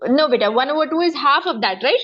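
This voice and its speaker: A woman's voice: high voice, animated, quick pace, lo-fi sound. A woman with a South Asian accent teaching maths one-to-one step by step, repeating herself and often checking that the pupil follows. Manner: repetitive, frequent check-in questions. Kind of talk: one-to-one lesson, explaining step by step.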